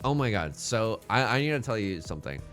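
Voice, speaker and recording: A man's voice: lowish voice, big pitch swings, fairly bright tone, soft background music. A young man, a streamer whose first language is Mandarin, joking and swearing casually with his chat while playing a game, exhausted from a long day. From born in China, raised in the United States. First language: Mandarin Chinese. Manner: quick, joking and profane, talking to chat. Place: home streaming setup.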